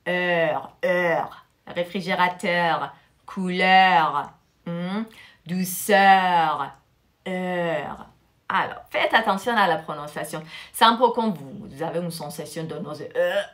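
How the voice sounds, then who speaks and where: Slow, low-voiced woman teaching French. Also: fairly bright tone. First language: Persian. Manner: repeats each vocabulary word slowly, stressing pronunciation; switches between French and Persian explanations. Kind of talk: live online language class.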